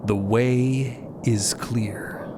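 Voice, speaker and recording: A man's voice: medium pitch, fairly even intonation, very slow, noisy background. A man giving scripted, literary narration for an audio drama. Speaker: narrator and voice actor. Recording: loud music behind.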